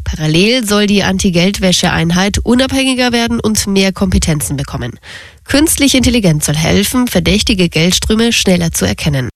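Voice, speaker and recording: A woman reads scripted news for radio. Her voice sits at a medium pitch, and the studio sound is very dry and close. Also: animated, normal speed, no room sound. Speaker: radio newsreader.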